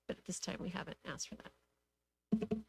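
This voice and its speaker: Creaky-voiced woman answering at a meeting. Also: lowish voice, unhurried, warm tone. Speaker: city staff official. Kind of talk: explaining and answering at a public meeting. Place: council meeting room. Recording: clear background noise and hum.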